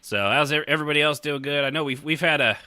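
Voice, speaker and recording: A man's voice: fairly high pitch, quick pace, bright, forceful tone, dry recording. A man hosting a live podcast in a casual, rambling, joking and teasing way. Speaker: podcast host.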